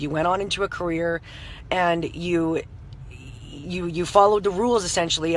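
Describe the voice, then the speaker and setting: A woman in her thirties with a hoarse, scratchy voice, giving a chatty motivational talk on a live stream and greeting viewers by name. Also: fairly low pitch. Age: 30s. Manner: chatty, full of "you know" fillers, greets viewers by name. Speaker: entrepreneur hosting a live stream.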